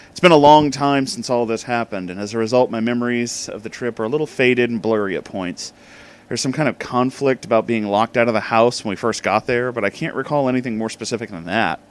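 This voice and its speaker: A man hosting an informal read-aloud, speaking in a conversational, slightly halting way with casual asides. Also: medium pitch. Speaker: host reading online stories aloud.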